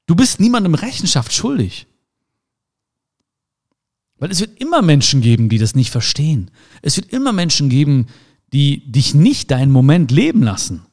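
A man's voice: a little high, a little mellow. A man giving a motivational talk in an emphatic way, repeating his key phrases. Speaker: motivational speaker.

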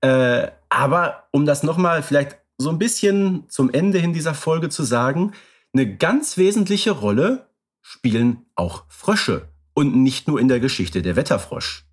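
A man's voice: a little high, expressive, measured pace. A man co-hosting a podcast in casual chat, easygoing and fond of wordplay. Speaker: podcast co-host. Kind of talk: casual chat about radio plays.

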